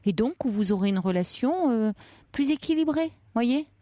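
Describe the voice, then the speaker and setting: Gentle woman radio host. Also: a little high, expressive, normal speed. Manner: soft, reassuring, many hesitations. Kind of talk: late-night call-in advice talk.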